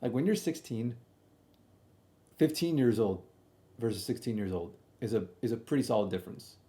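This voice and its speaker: A man's voice: medium pitch, lively intonation, moderate pace, warm tone. A young man telling a casual, slangy stream story, often doubling back and repeating himself as he comments on old videos.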